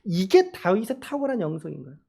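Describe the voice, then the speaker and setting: Lively conversational male pastor preaching. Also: sits high, fast, creaky, husky. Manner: conversational, poses questions to the congregation, acts out quoted dialogue. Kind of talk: Sunday sermon. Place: church service.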